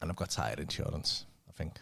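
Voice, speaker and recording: A man's voice: extremely low pitch, animated, brisk, gravelly, bright, forceful tone, no echo, clean studio sound. A man hosting a podcast in casual banter, swearing freely and laughing often. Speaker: podcast host.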